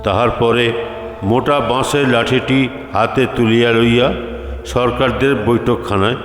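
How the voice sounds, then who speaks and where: A man's voice: medium pitch, steady tone, unhurried. A man narrating a literary story from a script. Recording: echoey long reverb, music behind. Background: music.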